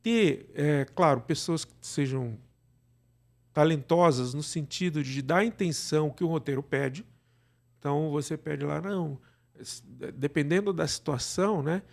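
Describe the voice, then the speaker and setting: A Brazilian man speaks as a guest in a casual conversation. His voice sits a little high for a man and has plenty of gravelly creak. He gives advice colloquially, digressing and often checking for agreement. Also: unhurried. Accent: Brazilian Portuguese. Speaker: interview guest, radio drama creator.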